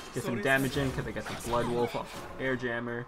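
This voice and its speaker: There is noticeable noise in the background. Over it, a man talks at a fairly quick pace. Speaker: gaming YouTuber, card game commentator. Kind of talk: gameplay commentary over replay. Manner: fast.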